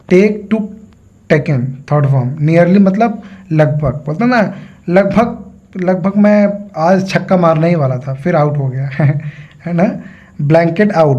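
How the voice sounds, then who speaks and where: Teacher guy going through english words one by one with everyday examples, kinda muffled lo-fi audio. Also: a little high. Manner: explains each word with everyday examples. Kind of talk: vocabulary lesson. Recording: dull lo-fi sound.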